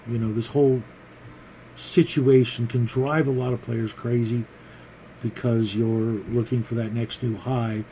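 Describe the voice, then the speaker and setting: A man with a soft-edged, mellow and relaxed voice gives an off-the-cuff opinion monologue. He talks like a casual hobby host, haltingly, circling back and repeating words as he thinks. A little ambient noise sits behind him. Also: mid-range voice, low-quality recording. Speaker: host of a tabletop role-playing hobby show.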